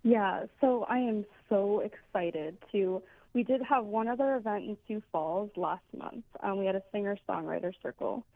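Guest: woman founder, mid-pitched, earnest, dry and phone-thin sound. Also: moderate pace, no room sound. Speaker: organization founder. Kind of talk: casual interview chat. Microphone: phone line. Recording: tinny phone line.

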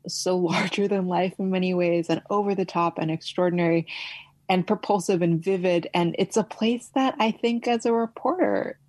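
A woman's voice: fairly low pitch, normal speed, no echo. A woman from California, an author, answering interview questions thoughtfully, with frequent fillers. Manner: thoughtful, with fillers and soft laughs. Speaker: author guest.

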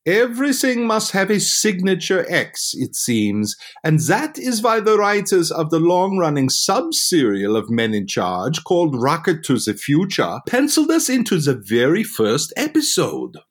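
A man's voice: on the high side, sing-song, measured pace, few pauses. A man playing a pompous existentialist, narrating a comic retrospective in indignant academic language. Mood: pompous indignation. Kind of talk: scripted mock-retrospective narration.

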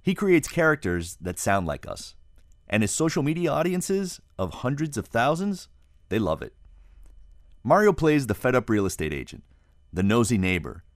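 A middle-aged man hosts a radio show from a studio. His delivery is animated in pitch and conversational, with a dry close-mic sound and the odd Spanish word. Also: no room sound. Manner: conversational, drops in Spanish words. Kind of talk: public radio interview. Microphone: close studio microphone.

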